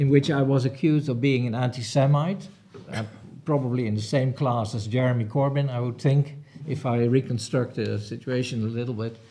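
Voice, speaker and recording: Talking at a fairly quick pace with fairly even intonation, a man with a medium-pitched voice is heard against audible room echo. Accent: Dutch. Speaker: professor and author. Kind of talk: press conference panel talk. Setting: press conference with cameras.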